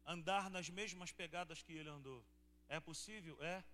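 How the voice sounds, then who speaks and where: Preaching to a church congregation during a service, a male pastor with a Brazilian Portuguese accent asks his listeners questions. His voice is fairly high, bright, and forceful at a normal speed, with slight background noise.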